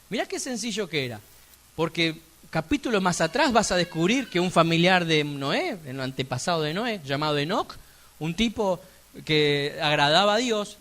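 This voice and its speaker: A man with an Argentine accent preaching a sermon in church, emphatic, with sudden loud rising peaks and chatty asides. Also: high voice. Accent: Argentine Spanish. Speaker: pastor.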